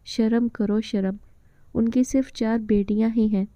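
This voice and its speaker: A woman's voice: a little high, steady tone, unhurried, warm tone, no room sound, natural voice. A woman reading as a humble young woman. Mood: lively. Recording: slightly dull lo-fi recording.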